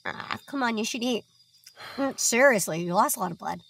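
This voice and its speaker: A woman's voice: fairly high pitch, expressive, moderate pace, gravelly, fairly bright tone, slight background noise. A woman playing a teasing, bossy but caring young woman in a naturalistic audio drama, coaxing playfully. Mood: playful, casual.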